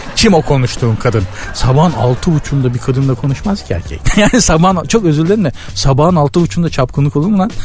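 A man's pitch swings very widely as he talks very fast amid noticeable background noise. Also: fairly high pitch for a man. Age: 50s. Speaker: radio host. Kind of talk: casual chat.

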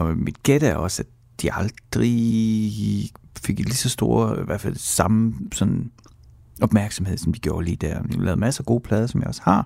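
Dark and mellow in tone, a man with a fairly low pitch speaks at a fairly slow pace with ordinary pitch variation. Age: 40s. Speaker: radio host. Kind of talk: radio show hosting, reading listener messages. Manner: casual, with hesitations.

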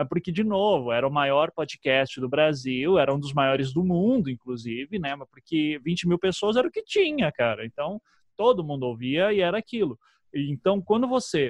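At a moderate pace, a man with a fairly high pitch uses lively intonation in a plain, everyday voice, the sound dry and close with no echo. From Curitiba, southern Brazil. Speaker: podcaster and journalist. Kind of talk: casual interview.

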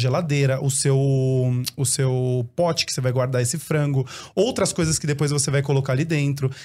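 A man talks at a fairly quick pace with a fairly high pitch. His voice is somewhat breathy. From Guarujá, São Paulo coast, Brazil. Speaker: chef and food consultant. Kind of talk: casual podcast conversation. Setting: studio.

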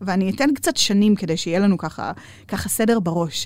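A woman speaks at a medium pitch with a somewhat breathy quality and ordinary pitch variation. The recording is very clean, with a silent background. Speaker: professional mermaid. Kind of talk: interview. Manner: animated.

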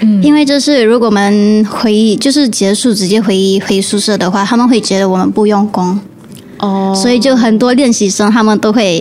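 A woman's fairly high voice at a moderate pace, with fairly even intonation and very even loudness amid noticeable background noise. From Singapore. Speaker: singer and actress, former K-pop idol. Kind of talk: interview.

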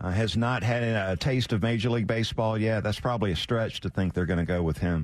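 Over a very clean recording with a silent background, a man with an ordinary speaking voice talks fairly quickly with hardly any pauses, at a fairly low pitch with ordinary pitch variation. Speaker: radio host. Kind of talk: live sports talk radio show.

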